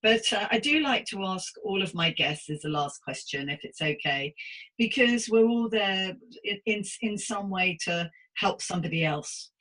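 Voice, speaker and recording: A woman's voice: mid-range voice, expressive, normal speed, a bit bright, rough recording. A middle-aged British woman hosting a casual interview podcast, chatting in a rambling, self-deprecating way. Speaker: podcast host.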